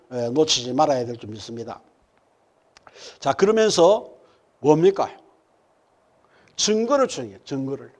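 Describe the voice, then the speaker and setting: A male pastor, preaching a sermon and firing rhetorical questions at the congregation. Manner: swings from loud emphatic peaks to low murmured asides. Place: church sanctuary.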